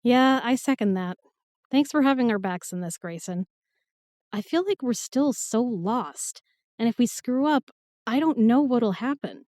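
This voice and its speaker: A sassy young modern woman played by an actress in a fantasy audio drama. Her voice is high and animated, recorded dry. She talks casually, with a cheeky edge. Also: unhurried, dry recording. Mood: tired, sincere.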